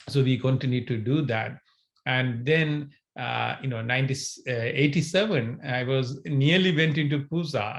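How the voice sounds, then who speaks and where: A man in his forties from northern Sri Lanka, telling his life story to camera with many fillers and restarts, holding a mic at home. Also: mid-range voice. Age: 40s. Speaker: entrepreneur sharing his story. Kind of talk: casual talk to camera. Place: home room, indoors. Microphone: handheld mic, webcam framing.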